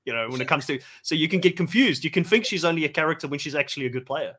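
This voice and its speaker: A man's voice: fairly high pitch, racing, sharp tone. Chatty podcast host man, Afrikaans native. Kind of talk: casual interview chat.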